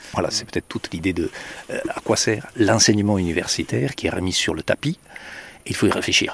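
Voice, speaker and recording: A man talks at a fairly quick pace with a dry, close sound with no echo, and noticeable background noise behind him. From Italy. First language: Italian (speaking French). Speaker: sociologist and professor. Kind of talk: interview conversation. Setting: outdoors in a garden. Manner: hesitant with fillers.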